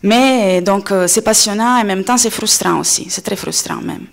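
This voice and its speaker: A woman in her thirties with an Italian accent, a native Italian speaker, giving a semi-improvised conference talk with hesitant pauses and self-corrections. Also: mid-range voice, creaky. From Italy. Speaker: coordinator of a media organisation, panel speaker. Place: indoor conference panel table. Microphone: gooseneck table microphone, close.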